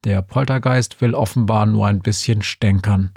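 A male audiobook narrator telling the story in a dry, matter-of-fact way. His voice is gravelly and husky, at a middle pitch. The recording is close and dead-dry. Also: steady tone, moderate pace, darkish tone, no echo.

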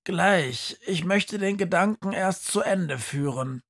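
In an audiobook, a narrator performs an invisible, headless professor creature wearing a trench coat, who lectures a class somewhat hesitantly. The mid-range voice is pushed upward and moves at a slow pace.

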